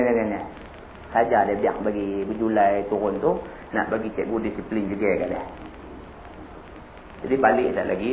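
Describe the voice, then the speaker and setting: A male Muslim preacher, giving a sermon with folksy, animated storytelling. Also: mid-range voice, echoey room, slight background noise. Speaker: religious preacher.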